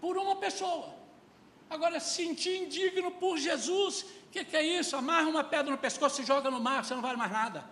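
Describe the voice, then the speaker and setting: Male pastor with a very high voice, preaching hard and emphatically, heard with long church reverb. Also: fairly quick, slight background noise. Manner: fervent, emphatic preaching, rising to shouts. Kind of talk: sermon. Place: church sanctuary.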